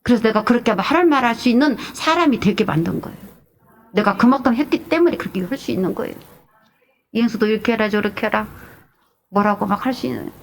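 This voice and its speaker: Animated woman pastor preaching a sermon. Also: a little high, fast, vocal fry, slight background noise. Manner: animated, shifts between shouting and hushed asides.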